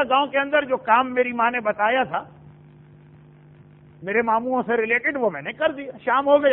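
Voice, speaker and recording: Man preaching, very high voice, storytelling, dramatic pauses, thin phone-line sound. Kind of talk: sermon.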